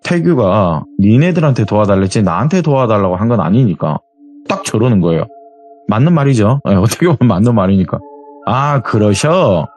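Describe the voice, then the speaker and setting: A man's voice: lowish voice, a little fast. Man animatedly recounting a true story. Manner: animated, acts out friends' lines in quoted dialogue; self-described grumbler. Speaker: interview guest telling a true story. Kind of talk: conversational storytelling.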